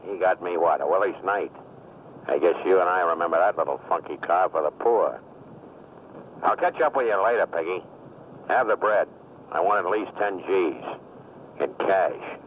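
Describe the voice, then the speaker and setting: A man's voice: sits low, narrow, tinny audio, a little hiss or hum. A man playing a streetwise ex-convict who talks pushy jive slang, heard on an old worn answering-machine tape. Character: fast-talking male ex-con just out of prison.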